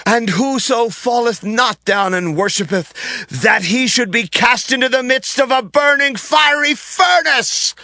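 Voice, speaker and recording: A man's voice: very high-pitched, sharp tone, dry recording, full character voice. A man playing a scheming Chaldean courtier who formally and emphatically denounces his rivals to a king in a scripture drama.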